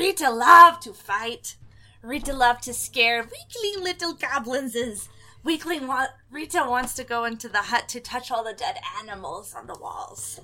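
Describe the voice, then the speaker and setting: A high-pitched put-on character voice from a woman. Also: moderate pace. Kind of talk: comic overacting. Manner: manic, gleeful, third-person speech.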